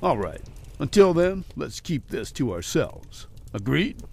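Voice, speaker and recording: A man voicing a steady, commanding man calming a companion in a horror story reading. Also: fairly high pitch, unhurried, creaky, husky, exaggerated voice. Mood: firm, reassuring.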